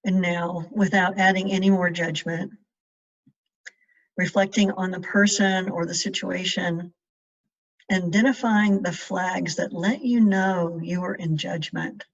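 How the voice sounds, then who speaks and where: A woman guides a meditation very slowly, in a fairly low voice. She speaks in measured phrases with long pauses. She sounds set back from the microphone, and the recording is a little dull. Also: steady tone. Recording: distant mic, dull muffled sound.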